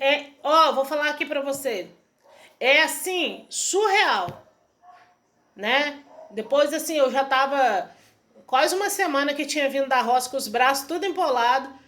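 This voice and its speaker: A woman's voice: high voice, fairly bright tone. A woman telling a casual testimonial to camera in a chatty, repetitive way, retelling conversations. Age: adult student. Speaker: vlogger sharing a home remedy.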